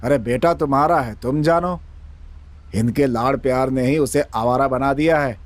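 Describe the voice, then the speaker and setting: A middle-aged actor playing a hot-headed village head who flies into shouting, frantic repeated outbursts. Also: male voice, medium pitch, moderate pace, dry recording, close to an everyday voice. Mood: grumbling. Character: excitable male village head, quick to rage. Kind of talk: Hindi film acting.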